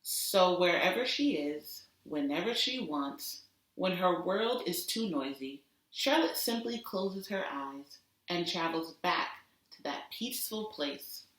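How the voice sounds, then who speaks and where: A woman teacher giving an expressive storybook read-aloud for children, deliberate and with dramatic emphasis. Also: lowish voice. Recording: roomy echo, distant microphone.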